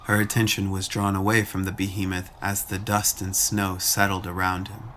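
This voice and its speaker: A man's voice: sits low, monotone, normal speed, fairly bright tone, a little hiss or hum. A man reading scripted, dramatic story narration as the narrator of an audio drama.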